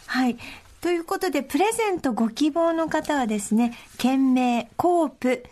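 A woman co-hosting a casual podcast, chatting and reading listener mail aloud with frequent soft agreement. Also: high voice, lively intonation, normal speed. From Akita, Japan. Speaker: podcast co-host.

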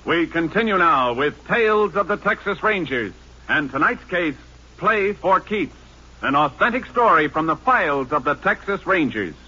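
A man's voice: on the high side, animated, moderate pace, background noise. A man announcing a 1950s radio drama in a formal, dramatic manner. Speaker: program announcer. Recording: muffled 1950s radio recording.

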